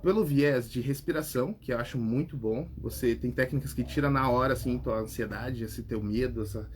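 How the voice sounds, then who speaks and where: A man's voice: mid-range voice, a little fast, a little hiss or hum. A man with a Brazilian accent, a public speaking coach answering viewer comments in a casual podcast, talking straight to the viewer and checking in with "right?" after his points. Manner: talks straight to the viewer, tags lines with "tá?" and "né?".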